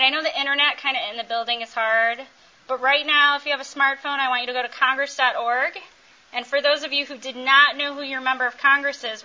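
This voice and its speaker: A woman's voice: high voice, sharp tone, muffled recording. A woman presenting an interactive talk, quizzing the audience and doing playful, teasing crowd work. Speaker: workshop presenter.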